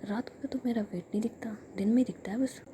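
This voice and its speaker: Woman doing a pouty clingy young woman in a soft whisper, real dark and mellow. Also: a little high, fast, slight background noise, close to an everyday voice. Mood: sulky. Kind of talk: whispered storytelling.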